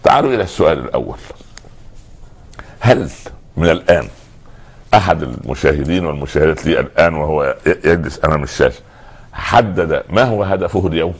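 A man's voice: rumbling low, lively intonation, fast talker, pauses often, breathy edge. A man preaching a sermon, pressing listeners with rhetorical questions that build in emphasis. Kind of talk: religious sermon.

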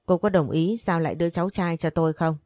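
A woman's voice: lowish voice, fast talker, darkish tone, no room sound, lightly acted. A woman voicing a domineering wealthy grandmother in a storybook, speaking in a demanding, imperious way.

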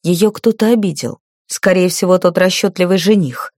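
A woman reading an audiobook, voicing a calm, calculating male mage's thoughts in a measured tone. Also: fairly low pitch, no echo, clean studio sound, lightly acted.

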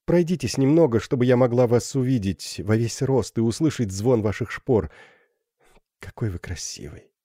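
A shy young Gypsy girl in love, as a male audiobook reader puts her on. She speaks softly and pleads, her voice lifted well above the reader's own, gentle and lively in its rise and fall, close and dry. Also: medium pitch, moderate pace, dry recording, pitched above the performer's own voice, natural voice. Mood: tender, pleading. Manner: soft, pleading, lightly raised voice.

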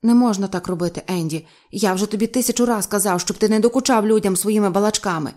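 A woman's voice: mid-range voice, fast talker, a little mellow, natural voice. A woman voicing a meek, flustered male zookeeper who apologizes and mumbles.

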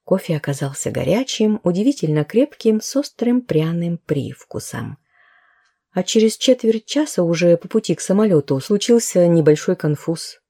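A woman's voice: on the low side, animated, normal speed, dark tone, slightly rough. A woman narrating a story as an audiobook, in a wry, conversational way with colloquial turns.

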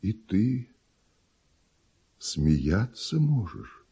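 An actor playing a grave, severe, brooding composer in a verse radio play, with solemn, declamatory theatrical delivery. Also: male voice, on the low side, big pitch swings, drawn-out words, warm tone, slightly rough, soft background music, exaggerated voice. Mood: stern, indignant.

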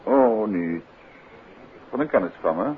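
An urbane gentleman detective in an old radio play, with a deep voice and very lively intonation. He is unruffled, evasive and dryly ironic. The recording is muffled, with some background noise. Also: measured pace. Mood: relaxed, teasing. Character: unruffled, evasive middle-aged gentleman detective, teasing husband. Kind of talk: 1950s Dutch radio drama acting.

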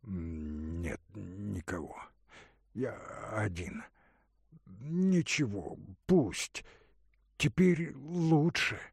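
Man playing a sick young guy, low and faint, breathless, halting, slow. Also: lively intonation, creaky, a little mellow, breathy edge, no echo, clean studio sound, exaggerated voice. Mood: weak.

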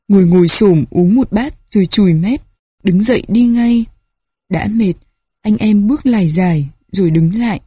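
A woman reading a storybook aloud as an audiobook narrator, measured and in short phrases. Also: medium pitch, dark tone, husky, no room sound, clean studio sound.

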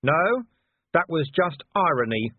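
A man voicing a worn-out, sardonic male watch commander shouting defiance from a tree. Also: a little high, sing-song, unhurried, husky, no room sound, narrow, tinny audio, pitched above the performer's own voice, heavily acted. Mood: defiant shouting.

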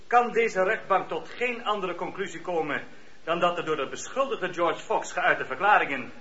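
Impartial judge, radio play, raised pitch, formal, measured, muffled lo-fi recording. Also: male voice, animated, pushed and bright, echoey room, slight background noise. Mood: formal ruling. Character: firm, impartial male presiding judge. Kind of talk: Dutch radio play acting.

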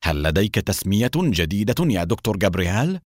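A man reading a calm young police captain. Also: lowish voice, fast, no echo, studio quality. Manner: calm, direct questioning.

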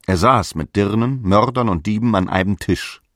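An actor playing a stern, fanatical elder of an early Christian sect, preaching with severe solemnity in a radio drama. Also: male voice, fairly low pitch, normal speed, a bit bright, dry recording, studio quality. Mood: stern, grave.

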